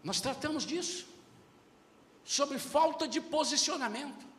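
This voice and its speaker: A man preaching a sermon as pastor, emphatic and animated. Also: very high-pitched, measured pace. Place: church. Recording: echoey church hall.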